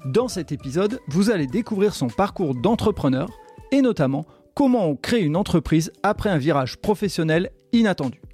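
French man hosting a podcast, mellow voice. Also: sits high, normal speed, husky, faint music behind. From northern France. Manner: scripted intro, then relaxed with fillers. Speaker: podcast host. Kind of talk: podcast interview.

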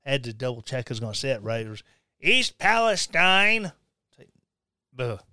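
A man's voice: mid-range voice, very animated, normal speed, bright, forceful tone, no echo, studio quality. A man from Missouri hosting a podcast, delivering a blunt opinionated rant with sarcastic asides. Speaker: podcast host. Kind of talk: opinionated monologue.

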